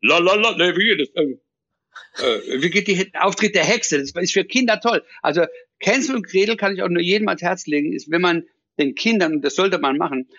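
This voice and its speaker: A man in his sixties, an actor guest, talking casually and rambling with many pauses and fillers. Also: high-pitched, lively intonation, a bit bright, dull audio. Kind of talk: casual chat.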